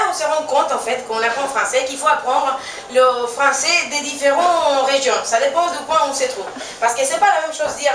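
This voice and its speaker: A woman from Venezuela with a Venezuelan Spanish accent, a native Spanish speaker in her twenties, doing a chatty, self-mocking stand-up show and laughing at her own jokes. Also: high voice. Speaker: stand-up comedian. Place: stage in a small venue with a live audience. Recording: echoey room from far off, noisy.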